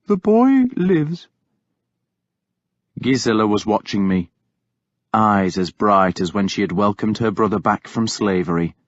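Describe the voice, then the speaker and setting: Slow, dramatic male audiobook narrator. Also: lowish voice, no echo, muffled recording. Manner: dramatic, deliberate reading. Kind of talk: scripted first-person novel narration.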